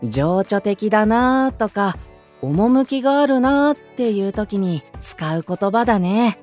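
A woman playing a gentle, earnest young male idol in a voice drama, explaining things kindly. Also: mid-range voice, animated, slow pace. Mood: gentle, reflective. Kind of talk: anime-style voice drama acting. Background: music.

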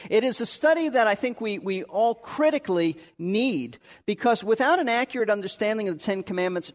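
Earnest high-voiced male pastor. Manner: earnest, repeats words when stressing a point. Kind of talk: sermon.

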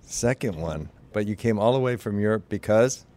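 A man hosting a podcast interview, upbeat and joking, jumping in with quick follow-up questions. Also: lowish voice, expressive, mellow. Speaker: podcast host. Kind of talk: casual interview.

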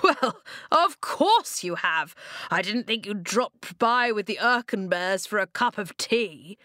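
A woman's voice: mid-range voice, lively intonation, slow pace, pushed and bright, no room sound, studio quality. A woman voicing a dramatic stone man who becomes a giant, wailing and theatrical. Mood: breezy.

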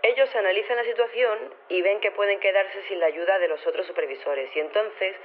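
A woman's voice: medium pitch, fairly quick. A woman playing an unflappable robotics professor in an audio drama, heard through a telephone, rambling in a colloquial, understated way. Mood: matter-of-fact, unflappable. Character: female robotics professor, casual, matter-of-fact, unflappable. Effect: telephone filter. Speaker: phone interviewee. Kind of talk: acted phone interview in audio fiction. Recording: tinny phone line with clear background noise.

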